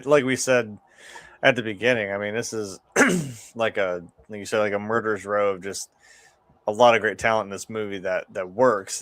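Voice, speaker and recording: A man's voice: fairly low pitch, a bit bright, dry recording. A man co-hosting a film review, bantering casually with sardonic, profane jokes.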